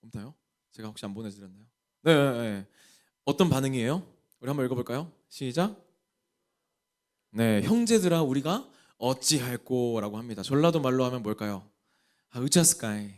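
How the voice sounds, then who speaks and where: A male pastor from Korea's Jeolla region preaches to a young adults group in a Jeolla Korean accent, asking the congregation many questions. His mid-range, darkish voice is animated and fairly quick, with long pauses.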